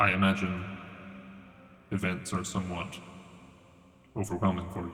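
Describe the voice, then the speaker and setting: A man's put-on character voice, very deep and low, calm in tone with monotone, flat intonation and a slight echo. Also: moderate pace. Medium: actual play. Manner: calm, measured.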